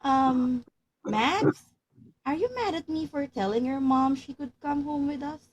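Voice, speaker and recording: A woman's voice: high voice, measured pace, muffled recording. A woman playing a blunt, wry teenage girl in a table read of a film script. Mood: gentle, wry.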